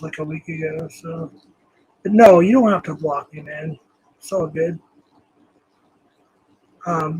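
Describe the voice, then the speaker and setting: Hoarse guy on a home livestream, kinda high husky voice, rambling with lots of ums. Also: rough recording. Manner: rambling, reads chat aloud, frequent ums. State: hoarse, losing his voice. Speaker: livestream host. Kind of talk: casual livestream chat.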